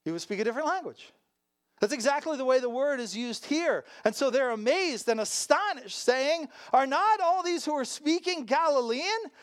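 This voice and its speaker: Animated, conversational preacher. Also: high voice, moderate pace, no room sound, studio quality. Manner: animated, rhetorical questions, frequent "right?" check-ins; conversational, joking asides. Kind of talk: sermon with casual asides and scripture reading.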